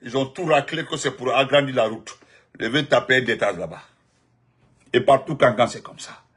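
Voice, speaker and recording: Husky, emphatic Guinean French man. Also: mid-range voice, normal speed. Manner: emphatic, repetitive, swings between loud outbursts and muttered asides. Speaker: political commentator. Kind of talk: spontaneous political commentary.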